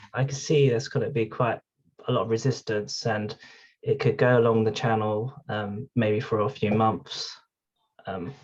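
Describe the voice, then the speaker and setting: In a British accent, a man with a medium pitch and a somewhat breathy voice speaks at a moderate pace with ordinary pitch variation. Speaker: trading student. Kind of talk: class Q&A. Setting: video call. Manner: hesitant.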